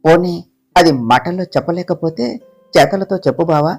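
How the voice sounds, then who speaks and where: A storyteller voicing a shy, loving young wife in an audiobook romance, speaking softly and pleadingly. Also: medium pitch, normal speed, soft background music, voice pushed down, lightly acted.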